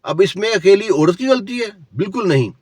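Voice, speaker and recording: A man's voice: high-pitched, expressive, husky, no room sound, studio quality. A man telling a cautionary story in a preachy, lecturing way, asking the listener rhetorical questions. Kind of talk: moralizing storytelling.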